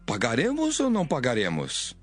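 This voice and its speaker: A Brazilian man playing a sly Pharisee flatterer, oily and mock-respectful, in a dramatized audio Bible. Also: mid-range voice, moderate pace, slightly rough, faint music behind. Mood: sly, flattering.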